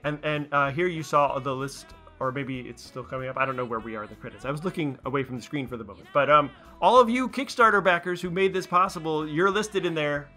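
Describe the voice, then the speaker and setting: A man's voice: on the high side, fast, hardly any pauses, bright, forceful tone, faint music behind. A man talking casually as a writer-producer, giving commentary on his own show.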